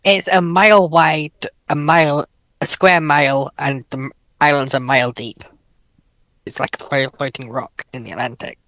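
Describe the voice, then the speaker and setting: A man's voice: a little high, steady tone, normal speed, sharp tone, dry recording. A man explaining points casually as a panelist in a discussion.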